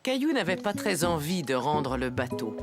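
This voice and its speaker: A woman playing a gentle storyteller, narrating a children's cartoon in a storybook manner. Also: sits low, big pitch swings, moderate pace, over music. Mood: soothing.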